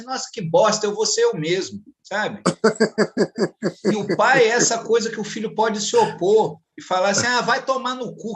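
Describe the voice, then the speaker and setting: Blunt man on a video call, high-pitched, profane and animated, casual chat. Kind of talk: casual panel conversation.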